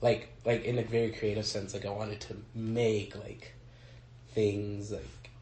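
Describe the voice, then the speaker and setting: A man's voice: on the low side, little pitch movement, measured pace, darkish tone, echoey room, slight background noise. A young man, a college student, chatting with friends and then answering interview questions in a rambling way, full of fillers and laughter. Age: young adult. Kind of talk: casual chat and interview answers.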